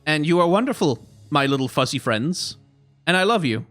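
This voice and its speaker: A young man, a little hoarse, chatting casually on a live stream, rambling and answering his chat as he reviews card art. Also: on the high side, sing-song, moderate pace, fairly bright tone, no room sound, faint music behind. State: slightly hoarse.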